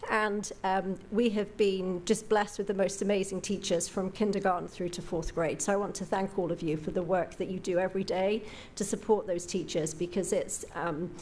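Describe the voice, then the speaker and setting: A woman's voice: medium pitch, fairly even intonation, normal speed, few pauses, a little hiss or hum. Chatty British woman at a meeting. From Britain. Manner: warm, grateful, chatty with fillers. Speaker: parent giving public comment. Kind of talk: friendly public comment. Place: school board meeting room.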